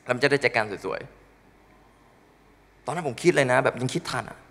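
A young man doing crude, animated stand-up storytelling on a comedy studio stage, acting out his friends' voices. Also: medium pitch, unhurried. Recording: long hall reverb.

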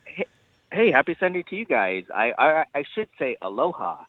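A man's voice: a little high, big pitch swings, normal speed, dry recording. Easygoing man calling in over the phone. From California. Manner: easygoing, chatty, laughs often. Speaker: caller. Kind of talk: casual call-in chat. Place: outdoors on a beach lounge chair. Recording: dull phone line with faint noise.

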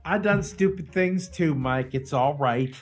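A man's voice: on the high side, measured pace, slightly rough, faint music behind. A man co-hosting a casual comedy podcast, joking crudely and teasing his friend. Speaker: podcast co-host.

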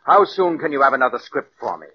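An actor playing a domineering radio star, curt and dismissive, in 1940s radio style. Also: male voice, mid-range voice, sing-song, fast, lightly acted. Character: domineering middle-aged male radio star. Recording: dull old radio broadcast, faint hiss.

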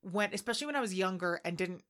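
A woman from Texas co-hosting a casual film podcast, an animated and theatrical storyteller. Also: mid-range voice, fast talker. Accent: mostly neutral American with slight Texan traces. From Texas, USA. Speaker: podcast co-host. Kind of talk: casual chat about a film.

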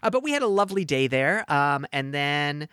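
A man's voice: a little high, sing-song, normal speed, sharp tone, smooth, no echo. A man co-hosting a podcast in casual chat, effusive and full of fillers, with dry sarcasm. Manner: effusive, hesitant with many fillers. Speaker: podcast co-host.

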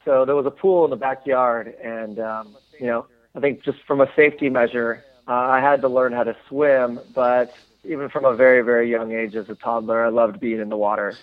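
A man from the United States talks things over in a reflective, halting way, full of pauses and restarts. His mid-range voice comes through a narrow, tinny phone-like line. The sound is dry, with no room around it. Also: medium pitch, fairly even intonation, no room sound. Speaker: interview guest, former Olympic swimmer. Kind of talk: casual interview conversation.

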